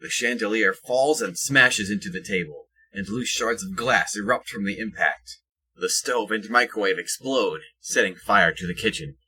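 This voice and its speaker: A man reading scripted third-person narration for an audio drama in a husky voice. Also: on the low side, moderate pace, bright, forceful tone, poor audio.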